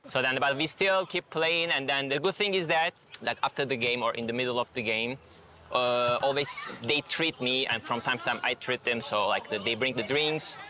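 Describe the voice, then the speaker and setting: A middle-aged man with a Turkish accent explains things in a casual, conversational way. His voice is bright and forward, of medium pitch. Some background noise surrounds him. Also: normal speed. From Turkey. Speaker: restaurant owner interviewed for documentary.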